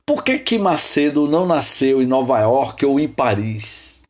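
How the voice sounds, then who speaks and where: A man from Salvador, Bahia, Brazil hosts an informal spiritist study session. He rambles, repeats himself, poses rhetorical questions and calls on people by name, speaking in an animated, unhurried, medium-pitched voice.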